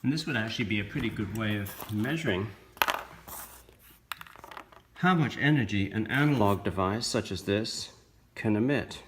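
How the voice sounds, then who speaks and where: A man presenting a science video, explaining a demonstration step by step in measured, halting short phrases. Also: fairly low pitch, a little hiss or hum. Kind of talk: explanatory narration of an electronics demonstration.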